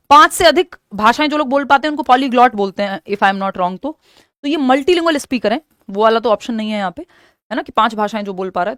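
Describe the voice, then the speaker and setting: A woman with a high voice teaches an exam-prep lesson. She explains each point patiently and reads the questions out slowly. The sound is dry and close, with no room around it. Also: fairly bright tone, no room sound. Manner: explains in Hindi mixed with English terms, reads questions slowly.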